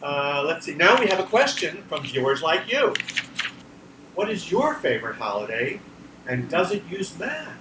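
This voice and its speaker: A man reading a children's story aloud in an animated, emphatic way, addressing young viewers, recorded at a distance in a roomy space. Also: on the high side, moderate pace. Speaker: children's show co-creator reading a picture book aloud. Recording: roomy, distant home recording, faint noise.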